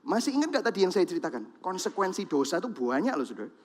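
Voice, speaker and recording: A man's voice: high-pitched, fast talker. A man preaching a sermon in Indonesian with a Javanese-influenced accent. He speaks straight to the congregation and acts out the voices of the people in his examples. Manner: lively, talks to the congregation directly, acts out quoted voices. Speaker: pastor. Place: large church hall. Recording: long reverb of a large church hall.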